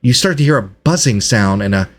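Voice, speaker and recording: A man narrating a tabletop game as game master, improvising scenes in measured phrases with pauses. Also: medium pitch, lively intonation.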